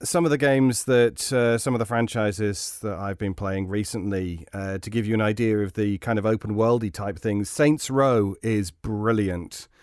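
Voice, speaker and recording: Clear, smooth-voiced man, mild and hesitant. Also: lowish voice, moderate pace, hardly any pauses, a little mellow, dry recording, studio quality. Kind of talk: casual chat.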